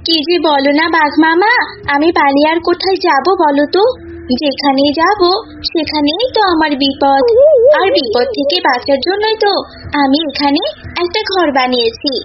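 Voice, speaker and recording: Woman acting clever young female cow, high voice, coaxing, polite, fearless, cartoon folk tale, dull noisy recording. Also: moderate pace, natural voice. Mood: sweetly reassuring. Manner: coaxing, reasoning, addresses listener as uncle.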